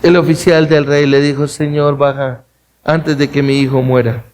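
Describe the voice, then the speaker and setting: A man's voice: steady tone, normal speed, darkish tone. A man preaching a sermon, speaking straight to his listeners with rhetorical questions and acting out pleading voices. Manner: acts out pleading voices, rising high for cries; addresses listeners directly, asks rhetorical questions. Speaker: pastor.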